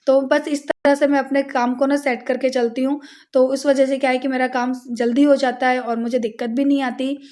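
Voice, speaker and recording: A high-pitched young woman from India talks casually to her viewers, walking them through her day at home. Her delivery is chatty and direct, like a family vlogger narrating chores. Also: flat delivery, brisk, a little mellow. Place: home, village house.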